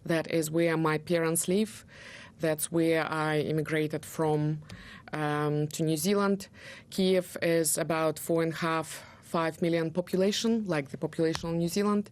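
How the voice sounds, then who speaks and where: A woman from Ukraine whose first language is Russian, explaining in a news interview with frequent pauses and fillers. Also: deep voice, steady tone, a little mellow. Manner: explanatory, many ums and pauses. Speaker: interview guest.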